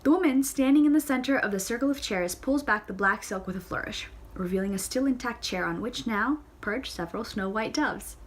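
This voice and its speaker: A woman's voice: on the high side, a little fast, few pauses. Woman reading a novel aloud, chatty. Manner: reads with fillers, self-corrections and playful side comments. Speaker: audiobook reader. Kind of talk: casual read-aloud of a novel with asides.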